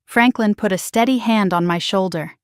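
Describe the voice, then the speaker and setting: A woman reading a first-person story in a steady, measured scripted narration. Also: medium pitch, clean tone, no room sound, clean studio sound.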